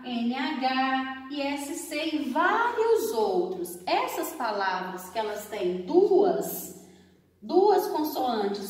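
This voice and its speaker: Slow, expressive teacher woman, echoey room. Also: high-pitched. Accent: Brazilian Portuguese. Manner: slow, drawn-out, over-enunciated explanation with frequent check-ins. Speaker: primary school teacher. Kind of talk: recorded grammar lesson for children. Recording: echoey room, distant from the mic.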